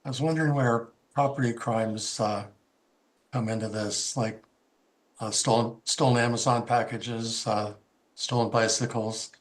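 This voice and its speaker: A man calling into a public meeting to give a comment. He rambles a little and leans on fillers as he gathers his thoughts. His voice sits at an ordinary middle pitch. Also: steady tone, unhurried, poor audio. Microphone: video call.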